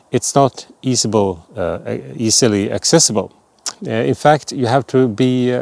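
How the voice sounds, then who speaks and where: A man talks at a fairly slow pace. The sound is dry, with no echo. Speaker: presenter. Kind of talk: documentary narration to camera. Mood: calm, lightly humorous. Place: forest. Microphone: lapel.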